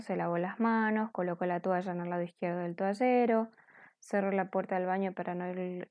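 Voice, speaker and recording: A woman's voice: on the low side, dry recording, highs cut off. A woman teacher going over corrected grammar exercises in a patient, explanatory way, often checking in with her students. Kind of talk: recorded class correction lesson.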